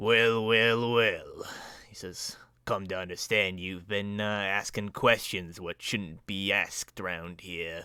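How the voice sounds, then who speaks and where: Using a gravelly put-on character voice, a man speaks at a fairly low pitch and fairly slow pace with fairly even intonation and big swings in loudness, in a very clean recording with a silent background. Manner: menacing.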